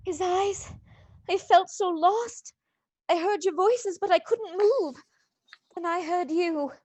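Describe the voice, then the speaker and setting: A woman playing a gentle, emotional young heroine in a radio play. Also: extremely high pitch, takes it slowly. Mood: shaken, grieving. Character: gentle young heroine, sorrowful survivor of vampire's spell. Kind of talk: theatrical radio play acting.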